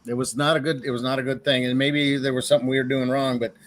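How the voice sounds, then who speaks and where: A man's voice: mid-range voice, flat delivery, fast. A man hosting a live question-and-answer show, talking casually and telling jokes in a folksy way with plenty of fillers. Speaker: host.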